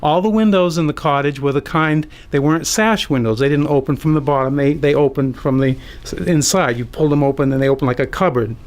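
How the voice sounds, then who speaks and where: A man's voice: on the high side, quick pace, hardly any pauses. An American man in his sixties telling an unscripted personal story on the radio in a conversational, amused way. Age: 60s. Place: community radio studio.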